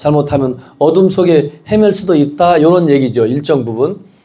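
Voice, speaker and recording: At a moderate pace, a man with a fairly high voice and a dark, mellow tone speaks with ordinary pitch variation amid audible room echo. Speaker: Buddhist monk teaching sutra class. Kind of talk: dharma lecture.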